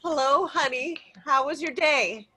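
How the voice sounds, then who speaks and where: A woman acting a cheery, flustered suburban mother, sweet and excitable, in a comedy table read. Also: high-pitched, unhurried, low-quality recording. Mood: cheery, delighted. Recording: remote virtual table read call.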